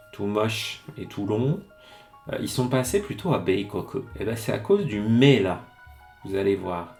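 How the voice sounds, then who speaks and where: A man teaching Japanese in French on a live stream, reading passages aloud and explaining them in a chatty, lively way. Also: on the low side. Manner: greets chat viewers by name. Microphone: streaming mic.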